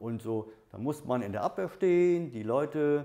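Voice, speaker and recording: A man's dark, mellow tone at a very slow pace over a quiet background. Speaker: chairman of a stuttering self-help association. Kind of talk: interview answer. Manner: stutters. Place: office. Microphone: lapel.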